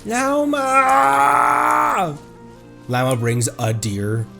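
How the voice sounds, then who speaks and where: A woman's voice: on the high side, extremely slow, gravelly, sharp tone, soft background music. A woman streaming a game, chatting casually in a playful, reactive manner.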